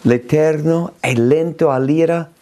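A man's voice: a little high, slow, mellow. A man preaching a sermon, reading scripture and repeating key phrases with emphasis.

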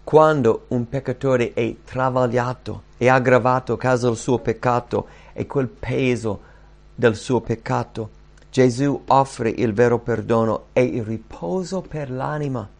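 A man preaching a sermon, earnest, rising and slowing down when he quotes scripture. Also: mid-range voice, gravelly. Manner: earnest, rises and slows when quoting scripture.

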